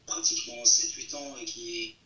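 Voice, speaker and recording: A man's voice: mid-range voice, fairly even intonation, moderate pace, bright, forceful tone. A man in his thirties from France, a footballer answering interview questions, hesitant and repeating words as he searches for them. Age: 30s. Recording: roomy, distant, dull lo-fi sound.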